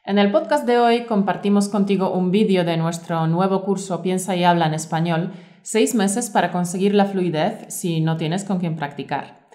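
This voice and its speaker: A woman presenting a course as a teacher and podcast co-host, in a clear, measured, scripted delivery. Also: on the low side, steady tone, dark tone.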